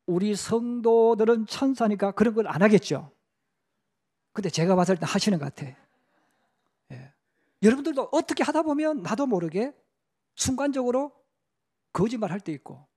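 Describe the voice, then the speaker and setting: A middle-aged Korean pastor preaching in a church, his voice sitting high for a man. He mixes lively storytelling with little acted-out quotes and talks to the congregation like it's a conversation. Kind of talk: sermon. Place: church sanctuary.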